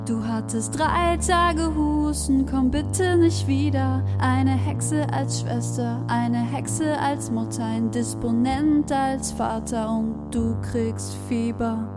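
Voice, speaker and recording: A woman's voice: sits high, takes it slowly, few pauses, over music. A woman singing a ballad with musical accompaniment. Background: loud musical accompaniment.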